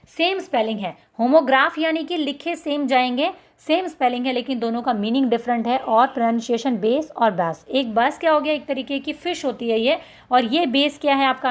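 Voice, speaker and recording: A woman with an Indian accent giving an exam-prep lecture, mixing Hindi with English terms and answering her own questions. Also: high-pitched. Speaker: teacher.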